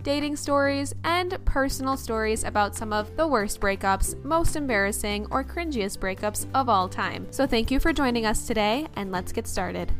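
A young woman with a Minnesotan American accent hosts a podcast as a candid, chatty, rambling monologue, often poking fun at herself. Her voice is fairly high and fairly bright, with lively intonation, a moderate pace and few pauses. Soft music plays underneath, and there's noticeable background noise.

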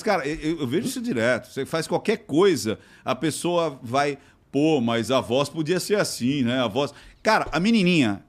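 A man in casual podcast chat, telling anecdotes in an animated way and acting out what other people said. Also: a little high. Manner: animated storyteller who acts out other people's lines. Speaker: podcast participant.

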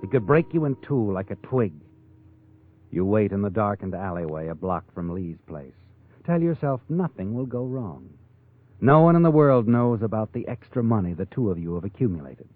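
The Whistler, ominous narrator on tinny old radio. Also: male voice, fairly low pitch, dry recording. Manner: taunting, theatrical, addresses the character directly. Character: ominous, knowing male narrator haunting tales of crime. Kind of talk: 1940s radio drama narration. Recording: tinny old radio recording, music behind.

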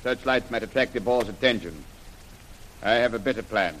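An actor playing a clipped, authoritative army colonel who gives orders in a 1930s radio drama. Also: male voice, on the low side, normal speed, a bit bright, lightly acted, low-quality recording. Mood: measured. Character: commanding army colonel leading tank squadron. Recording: faint hiss of an old radio recording.

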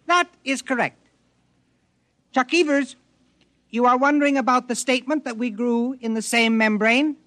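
An actor playing a calm alien explorer who glows and eats rock, speaking formally and precisely without contractions, in a radio drama. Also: male voice, extremely high pitch, moderate pace, pauses often, no echo. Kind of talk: 1950s radio drama acting.

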